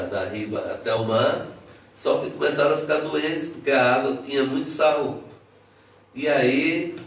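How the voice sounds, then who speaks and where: A man's voice: mid-range voice, slight background noise. A man with a Brazilian Portuguese accent, a cordel poet, chatting casually and often repeating words as he thinks. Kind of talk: casual conversation. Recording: echoey room, mic far off.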